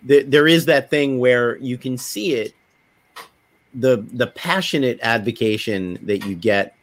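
A man co-hosting a casual podcast, talking in a wordy, discursive way with a middling pitch. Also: measured pace.

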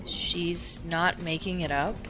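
A woman's voice: fairly low pitch, fairly even intonation, slow pace, fairly bright tone, faint music behind. A woman playing a skeptical, exasperated office worker in an audio drama.

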